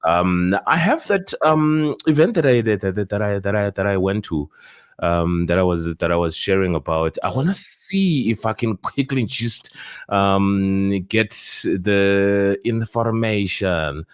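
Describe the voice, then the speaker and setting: Casting: low-voiced south african podcast host, rambling and filler-heavy, bursts into excited shouts. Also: male voice, measured pace, clean tone, dry recording, studio quality. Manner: rambling with many fillers and restarts; loud bursts of laughing excitement. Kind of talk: casual podcast chat.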